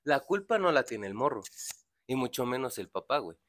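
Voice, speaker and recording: A young Mexican man tells a long story in loose, profane podcast chat. His voice is bright and a little tense, and it sits dry and close to the mic. He swears freely and acts out each character. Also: mid-range voice, big pitch swings, brisk, no room sound. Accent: Mexican Spanish.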